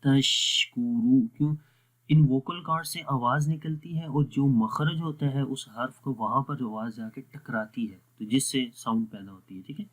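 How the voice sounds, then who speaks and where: A man teaching Quran recitation rules with an Urdu-speaking South Asian accent, patiently explaining and slowly drawing out example words. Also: mid-range voice, poor audio. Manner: patient, repeats letter sounds slowly and deliberately. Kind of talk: slow explanatory lesson with drawn-out recited examples.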